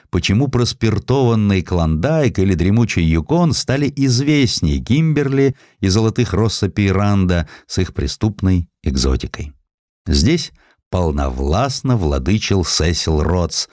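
A man reading a historical essay as an audiobook narrator, in an expressive, dramatic storytelling manner. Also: deep voice, no room sound, clean studio sound.

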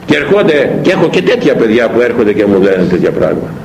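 Impassioned priest preaching in an echoey church. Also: male voice, lowish voice, big pitch swings, a little mellow, a little hiss or hum. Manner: impassioned, rhetorical questions to the congregation. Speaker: Orthodox priest. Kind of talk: sermon. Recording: roomy echo.

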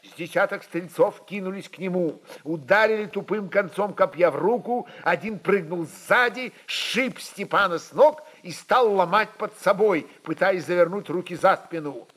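A man's voice: sits high, normal speed, hardly any pauses, a bit bright, breathy edge. A man narrating a literary historical story in a dramatic audiobook style.

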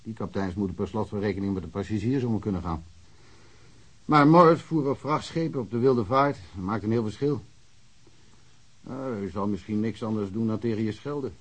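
An actor playing a chatty, blunt male small-town police officer in a radio drama, with a husky voice. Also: fairly low pitch, moderate pace, poor audio. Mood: gossipy. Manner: talkative and blunt.

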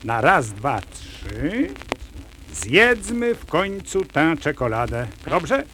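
An actor playing a kindly, patient man who looks after little dragons in a children's show, speaking gently. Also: fairly high pitch, big pitch swings, takes it slowly, slight background noise, exaggerated voice. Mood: playful.

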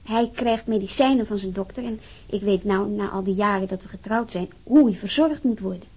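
Earnest wife with husky, creaky voice. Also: female voice, medium pitch, fairly quick, mellow. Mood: earnest, concerned. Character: worried, indignant wife writing on her sick husband's behalf. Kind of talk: dramatized reading of a complaint letter.

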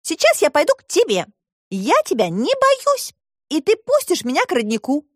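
A woman voicing a brave young girl who calls out in a high, ringing, insistent voice. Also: wildly swooping pitch, normal speed, no echo, clean studio sound. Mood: bold.

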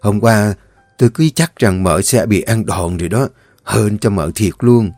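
A man voicing an older female household servant in a story, with a soft, slow manner. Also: lowish voice, expressive, no room sound, clean studio sound, faint music behind. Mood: chatty.

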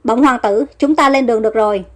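A woman's voice: fairly high pitch, quick pace, natural voice. A woman reading the lines of a loyal, worried male army captain, urgent and dutiful.

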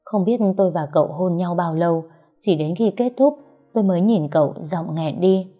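A woman narrating an emotional first-person love story in a soft, heartfelt way. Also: on the low side, normal speed. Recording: slightly muffled, soft background music.

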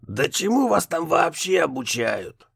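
A man voicing the ghost of a gruff male witch-hunter in an audiobook, with a hoarse, barking, mocking delivery. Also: on the high side, sing-song, a little slow, a bit bright, no echo, studio quality, pitched above the performer's own voice, heavily acted. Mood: scolding. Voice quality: hoarse, gravelly. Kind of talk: audiobook character voice.

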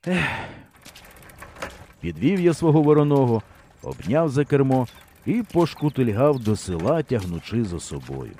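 A man reading an audiobook in an expressive storyteller's way. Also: mid-range voice, moderate pace, slight background noise. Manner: lively storyteller's delivery. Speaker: audiobook narrator.

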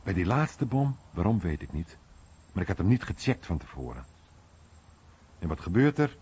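A man's voice: sits low, sing-song, normal speed, a little mellow, slightly rough, heavily acted. A man playing a rueful American bombardier veteran telling his story colloquially in a radio play. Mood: rueful, animated. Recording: dull, band-limited radio recording.

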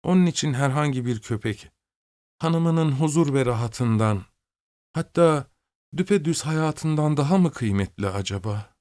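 A man's voice: mid-range voice, animated, unhurried, dry recording, studio quality, pitched above the performer's own voice, close to an everyday voice. A man voicing a plaintive old noblewoman. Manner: soft, plaintive, martyred tone. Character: weary, self-pitying old noblewoman. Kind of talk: audiobook character voice.

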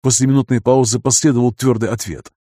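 A man narrating a first-person audiobook in a steady, even storytelling manner. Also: medium pitch, quick pace, slightly rough, no room sound, clean studio sound.

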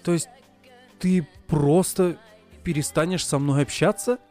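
Expressive young man narrating an audiobook. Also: a little high, measured pace, faint music behind. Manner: expressive, moving from quiet narration to heated outbursts. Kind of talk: first-person audiobook narration and dialogue.

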